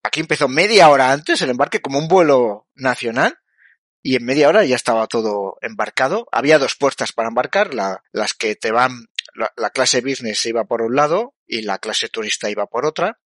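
Male travel vlogger, casual explanatory narration, mid pitch, dry close sound. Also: fairly bright tone, no room sound. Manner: conversational, explanatory. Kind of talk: casual narration of a flight trip.

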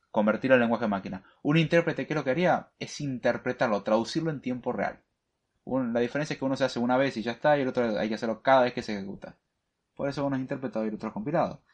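Man, mid pitch, hosting a live coding lesson with blunt, emphatic opinions. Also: muffled recording. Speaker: programming show host. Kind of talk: live-streamed programming lesson.

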